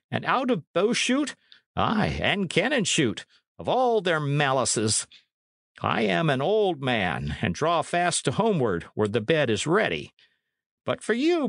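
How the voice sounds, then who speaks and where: A man voicing a defiant old male archer who is dying, speaking in a high, strained old-man voice. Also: gravelly, a bit bright, dry recording, clean studio sound, heavily acted. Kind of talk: audiobook character voice.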